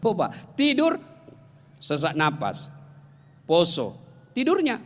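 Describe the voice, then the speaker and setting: A man's voice: sits high, takes it slowly. A male Islamic preacher giving a humorous sermon, telling jokey stories and talking straight to the congregation. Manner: jokey, animated storytelling, addresses the audience directly. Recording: long hall reverb.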